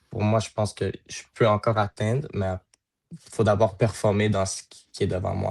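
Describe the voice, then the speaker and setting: A man's somewhat breathy, fairly low voice with monotone, flat intonation at a moderate pace, the sound dry and close with no echo. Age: 20s. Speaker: professional soccer player. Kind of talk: interview.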